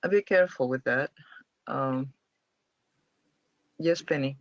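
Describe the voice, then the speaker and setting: A man's voice: mid-range voice, slow pace, dry recording. A man leading a spiritual question-and-answer class, explaining emphatically and repeating his points. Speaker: spiritual teacher. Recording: dull lo-fi dry sound.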